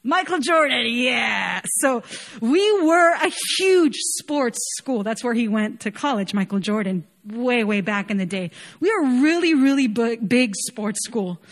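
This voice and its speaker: A young woman from Chile, a worship leader, preaches an earnest, conversational sermon, often slipping in casual fillers. Her voice is on the high side, animated and unhurried.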